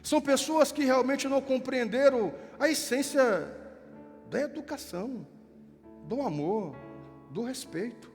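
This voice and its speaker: A high-voiced male pastor with a southern Brazilian accent preaches in a chatty, storytelling way, acting out the people in his stories. His voice rings through a church hall with a long reverb. Soft music plays faintly behind him. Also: lively intonation, a little slow. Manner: conversational storytelling, acts out dialogue. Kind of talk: sermon with anecdotes.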